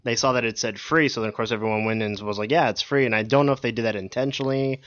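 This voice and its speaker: A man's voice: medium pitch, fairly even intonation, fast talker, a bit bright, muffled recording. A man co-hosting a casual gaming chat, making wry jokes and asides. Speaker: podcast co-host.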